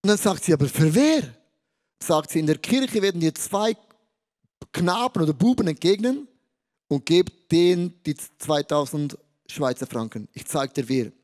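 A male pastor with a high voice delivers an energetic sermon. He tells stories about his family and acts out the dialogue. His voice jumps between loud and soft as he quotes people. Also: moderate pace. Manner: animated, acts out quotes with shifting pitch and loudness.

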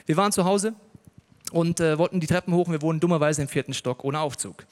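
High-voiced preacher in a reverberant hall. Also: male voice, quick pace. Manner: lively storytelling, jokes with the audience. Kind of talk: sermon. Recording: long reverb of a large hall.

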